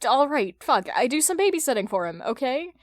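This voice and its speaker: Woman playing a cornered middle-aged man, defensive, flustered, protesting loudly, high voice, audio fiction. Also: sing-song, a little fast, no room sound, studio quality. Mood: indignant. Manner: protesting, stammering, exclaiming. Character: defensive, flustered forty-year-old man caught out by his friend.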